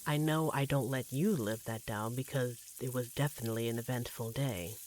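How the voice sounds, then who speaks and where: A man playing an affectionate, devoted vampire partner in a roleplay audio drama, speaking in a tender, gently teasing, conversational way. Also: medium pitch, steady tone, moderate pace, close to an everyday voice, rough recording. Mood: teasing, amused. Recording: clearly audible background noise, sizzling kitchen effects.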